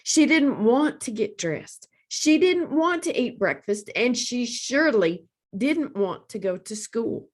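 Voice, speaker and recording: A woman hosting storytime, reading a children's picture book aloud in a deliberate, expressive storytelling manner. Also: a little high. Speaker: storytime host, librarian.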